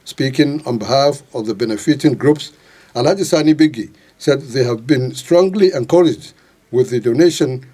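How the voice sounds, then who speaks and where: A man's voice: mid-range voice, warm tone, breathy edge. A man with a Nigerian accent gives a formal, scripted news report as a voice-over. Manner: formal reading.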